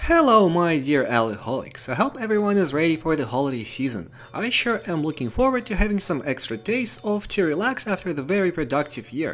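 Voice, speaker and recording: The speaker has a non-native accent and talks at a fairly quick pace. There are hardly any pauses. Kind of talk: product review narration. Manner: dry, humorous.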